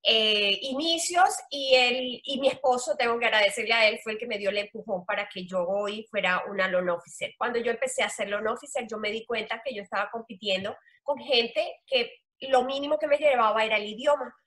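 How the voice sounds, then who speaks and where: A middle-aged woman speaks Spanish with a strong Colombian Caribbean coast accent, bright and forceful with a fairly high pitch. She answers an interviewer earnestly, pausing on "eh" as she explains her work in lending. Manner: earnest, explanatory, with frequent "eh" fillers. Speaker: loan officer guest.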